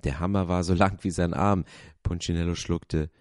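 A man, a pastor, reading a children's story aloud with expressive storytelling. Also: low voice, moderate pace, no room sound, clean studio sound.

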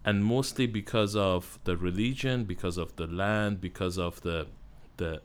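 A man with an Armenian-Iranian accent speaks in a very low, smooth, resonant voice. He talks as a guest in conversation, often pausing and restarting as he looks for the right English words. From Iran. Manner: halting, searching for words. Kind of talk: casual conversation.

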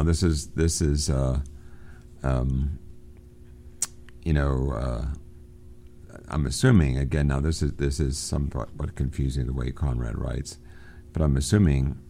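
Very deep-voiced man lecturing slowly. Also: steady tone, gravelly, dark tone, a little hiss or hum. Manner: unhurried, with many fillers and restarts. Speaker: literature teacher. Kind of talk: recorded lecture program.

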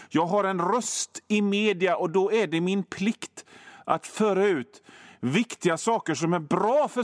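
A man's voice: high voice, dry recording. A male radio host delivering a comedic monologue in a sardonic, mock-grumpy ranting manner into a studio microphone.

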